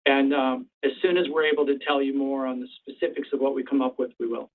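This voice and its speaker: A man speaking as a company executive on an earnings call, in a measured, deliberate way. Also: medium pitch, steady tone. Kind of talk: prepared remarks and candid answers to analysts. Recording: distant, tinny phone-line conference call.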